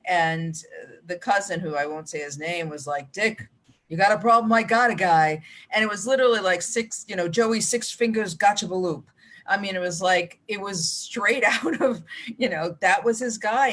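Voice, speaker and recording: A middle-aged American woman with a slightly low voice talks casually in an interview. She is chatty, drifting into asides as she tells her stories. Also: a bit bright. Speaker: mystery author, guest. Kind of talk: casual interview chat about writing.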